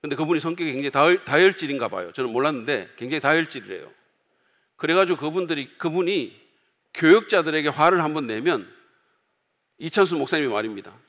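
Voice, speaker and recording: A man preaching as pastor to his congregation, in a conversational sermon style, loudly acting out the quoted outbursts of others. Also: a little high, lively intonation, quick pace, in a large hall. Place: church sanctuary.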